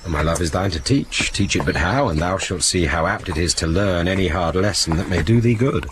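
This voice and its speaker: A man's voice: low-pitched, a little fast, noisy background, close to an everyday voice. An actor playing a good-humoured noble prince who commands his officers and teases them, in Shakespearean stage style. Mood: reassuring. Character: genial noble prince, older male commander.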